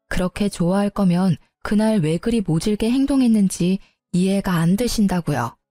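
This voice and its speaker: Mellow-voiced woman telling her story. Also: mid-range voice, dry recording, clean studio sound. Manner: indignant, confiding. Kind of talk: first-person story narration.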